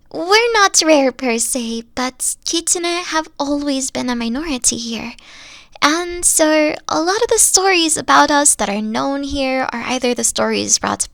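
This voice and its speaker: A woman voicing a gentle, thoughtful fox-girl girlfriend in an audio roleplay, speaking softly and hesitantly into a close mic. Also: sits high, gravelly, no room sound, full character voice. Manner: soft-spoken, hesitant, explains carefully. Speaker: voice actor.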